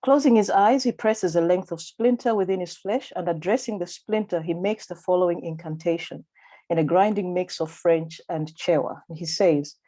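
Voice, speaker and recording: With a warm voice on the low side, a woman speaking with a Malawian accent reads out a prepared academic paper for a conference held over video call. Her manner stays formal, measured and deliberate.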